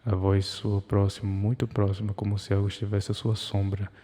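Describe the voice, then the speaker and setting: A man reading a scripted horror story in the second person, measured and ominous, in short broken phrases. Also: lowish voice, completely flat delivery, dark tone. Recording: long hall reverb.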